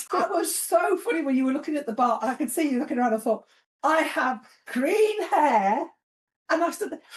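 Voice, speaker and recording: A loud woman with a British accent, high in pitch, at a fairly quick pace. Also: lively intonation. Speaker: podcast co-host. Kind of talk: casual chat. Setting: hotel, in person.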